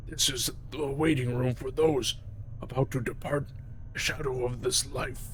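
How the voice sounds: A man puts on a character voice, raspy and wheezy, at medium pitch. He speaks at a moderate pace over clear background noise.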